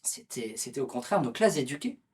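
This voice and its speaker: Very animated and brisk, this man has a medium-pitched voice with a darkish tone and a breathy edge. He's a French author and political activist being interviewed conversationally, and he hesitates often, with plenty of fillers and restarts.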